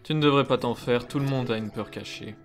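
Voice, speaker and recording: A man voicing a calm, considerate, mature teenage boy in an amateur French anime fandub. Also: medium pitch, fairly quick, natural voice. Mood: reassuring. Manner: composed, advising. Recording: music behind the voice.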